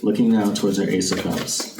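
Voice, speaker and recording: Roomy, low-voiced man reading tarot casually. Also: fairly even intonation, fairly quick. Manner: informal, addresses the listener directly, thinks aloud. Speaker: tarot card reader and channel host. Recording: roomy, distant mic, faint background noise.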